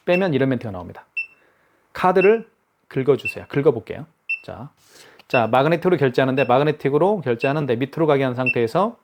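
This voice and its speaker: A man's voice: medium pitch, noisy background. A man giving a hands-on product tutorial, explaining each step patiently and repeating himself for clarity. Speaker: product demonstrator.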